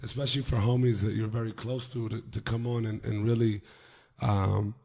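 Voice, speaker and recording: A man's voice: on the low side, little pitch movement, normal speed, creaky, warm tone, breathy edge. A man hosting a casual podcast interview, earnest and swearing freely, with hype-man energy. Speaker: podcast host.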